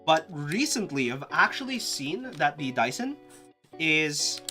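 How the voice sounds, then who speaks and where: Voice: mid-range voice, sing-song, moderate pace, bright, forceful tone, faint music behind. A live streamer casually thinking aloud, muttering to themself with restarts and sudden exclamations. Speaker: live streamer testing keyboards.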